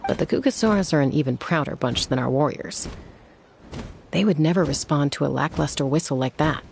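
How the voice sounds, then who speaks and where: A woman playing a composed, protective tribal warrior in a video game, explaining things in a measured, frank way. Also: low-pitched, creaky, a little mellow, a little hiss or hum. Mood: concerned, frank. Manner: measured, matter-of-fact explaining. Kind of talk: video game dialogue acting.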